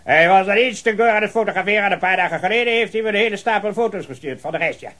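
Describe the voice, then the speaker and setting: An actor playing a jovial, talkative, hard-of-hearing old retired colonel who rambles heartily in a radio drama. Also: male voice, high-pitched, racing, a bit bright. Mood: cheerful, rambling. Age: older. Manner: rambling, hearty, with repeated affirmations and chuckles.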